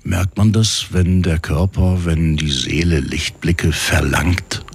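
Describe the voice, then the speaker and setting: A man's voice: low-pitched, steady tone, slow, breathy edge, no echo, faint music behind. A man hosting a radio call-in show from the studio, chatty and upbeat, often tagging questions with a friendly "gell?". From Swabia, Germany. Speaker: radio host. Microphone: studio microphone.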